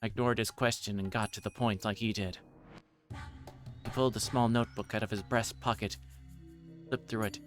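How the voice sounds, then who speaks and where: A man's voice: lowish voice, steady tone, normal speed, pauses often, faint music behind. A man on a livestream reading a visual novel aloud and adding casual commentary. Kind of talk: livestream game read-along with casual commentary.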